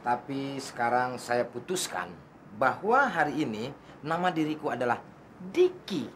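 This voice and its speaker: A cheeky, vain servant, full of teasing swagger and a lively, bouncing pitch. Noise and audience laughter run under him in a sitcom recording. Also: male voice, a little slow. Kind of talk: sitcom acting.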